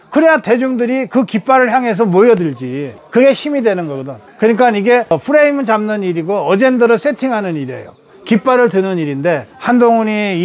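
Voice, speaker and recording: A man in his sixties with a high voice for a man speaks as a political commentator. He lectures emphatically, poses rhetorical questions and drops into colloquial, everyday asides.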